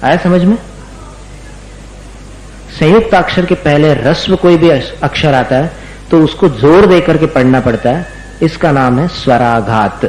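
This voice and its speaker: A man's voice: on the high side, a little mellow, echoey room, slight background noise, low-quality recording. A man giving a religious lesson on recitation, patiently drawing out words so listeners can copy them. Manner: patient, repeats words slowly for students to copy. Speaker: religious teacher.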